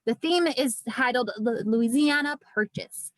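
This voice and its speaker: Higher-voiced woman narrator, dry sound. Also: unhurried, dry recording, poor audio. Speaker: narrator reading stage directions. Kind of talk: scripted narration.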